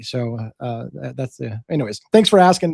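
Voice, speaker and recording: Lively intonation from a man at a fairly quick pace, with a dry, close sound and no echo. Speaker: livestream co-host. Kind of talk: casual chat. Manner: fast.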